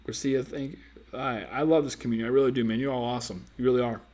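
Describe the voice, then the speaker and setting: A man hosts a casual live stream, answering viewer comments as a dating coach. He teases, jokes and speaks in loose slang straight to his audience. His voice sits in an ordinary middle pitch, picked up by a computer mic. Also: fairly even intonation, rapid-fire, a little mellow. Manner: playful, teasing, addresses viewers directly with slang.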